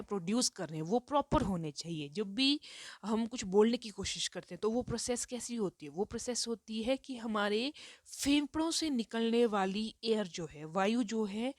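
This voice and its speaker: A woman's voice: on the high side, expressive, normal speed, no echo, clean studio sound. A woman teacher lecturing on reading skills, explaining step by step and asking herself rhetorical questions as she goes. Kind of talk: Hindi lecture mixed with English terms.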